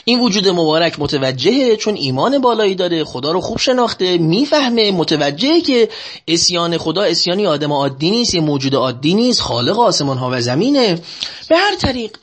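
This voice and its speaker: Male preacher, husky and high, very lively pitch. Chants prayer lines slowly, explains them faster, keeps urging listeners to pay attention. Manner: slow, drawn-out chanting of Arabic lines, then quicker plain explanation. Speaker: religious lecturer. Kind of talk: sermon explaining Arabic prayers.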